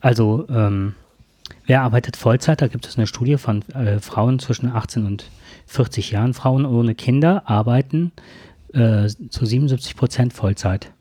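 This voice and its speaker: Man, husky mellow voice, medium pitch, halting explanatory delivery, formal wording, dry sound. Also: no echo. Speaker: podcast co-host. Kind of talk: conversational explaining from notes.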